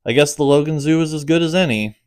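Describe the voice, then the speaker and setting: A man voicing a calm, practical father who is a vet, speaking plainly and easily in an audiobook. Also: a little high, fast, clear, resonant tone, dry recording, studio quality, voice pushed up, lightly acted. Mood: easygoing.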